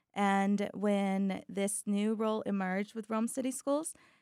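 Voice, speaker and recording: A woman with a Spanish accent speaks in a fairly high pitch. The recording is very clean, with a silent background and a dry, close sound with no echo. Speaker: school family engagement coordinator. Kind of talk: interview podcast.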